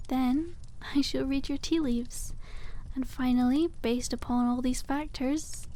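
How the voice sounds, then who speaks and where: A woman voicing a cute, kindly witch shopkeeper in an ASMR roleplay, speaking softly and teasingly with old-fashioned courtesy. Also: sits high, slight background noise, low-quality recording. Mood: teasing, gently instructive. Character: cute, coy, kindly witch selling dragon eggs. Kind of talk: ASMR roleplay, scripted and addressed to listener.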